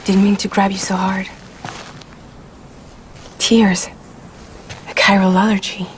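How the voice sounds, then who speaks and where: An actress playing a guarded young female courier who talks in dry, clipped, quietly wry lines, in a video game cutscene. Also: mid-range voice, level tone, slow pace, a little hiss or hum, natural voice. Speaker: courier company leader. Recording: game cutscene with loud score.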